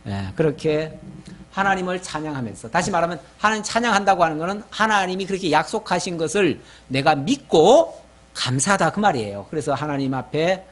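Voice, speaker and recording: A man's voice: fairly high pitch, animated, a little fast. A male pastor giving an expository sermon. He reads scripture verses and then explains them in a conversational way, often adding short affirming words.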